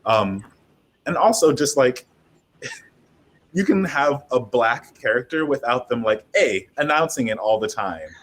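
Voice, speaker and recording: A man's voice: lively intonation, a little slow. A man speaking informally and emphatically as a panelist in a casual discussion. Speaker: panelist, audio drama creator. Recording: clear background noise with low rumble.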